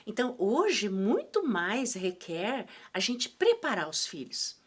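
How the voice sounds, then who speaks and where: A woman's voice: mid-range voice, very animated, slow, husky. A woman co-hosting a casual Christian chat, speaking earnestly and often checking in with "né?". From Brazil. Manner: earnest, keeps adding "né?". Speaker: co-host.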